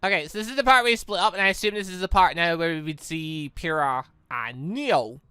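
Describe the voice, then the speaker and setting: Brisk and sharp, this man's fairly high voice carries let's play commentary as he reads visual novel lines aloud, rambling and tripping over self-corrections. He's a gaming video host, heard in a clean, echo-free studio-quality recording with background music.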